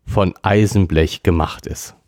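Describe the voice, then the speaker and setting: A man's voice: deep voice, steady tone, a little slow, darkish tone, dry recording, clean studio sound. A man reading an audiobook, voicing a blunt Canadian harpooner in a plain, matter-of-fact way.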